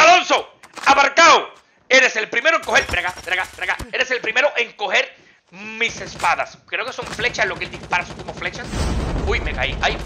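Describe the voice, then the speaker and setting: A man giving excited, exclamatory commentary over his mobile game, talking to viewers and to enemies as he plays. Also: high-pitched, a little hiss or hum. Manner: exclamatory, talks to viewers and enemies while playing.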